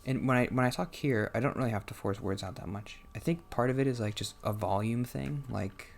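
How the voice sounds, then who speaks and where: A soft-spoken man with a quiet voice, halting and muttering to himself as he plays through a game, on a microphone turned up high. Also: gravelly, slight background noise. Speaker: gaming channel host. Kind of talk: casual gameplay commentary. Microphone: computer microphone turned up loud.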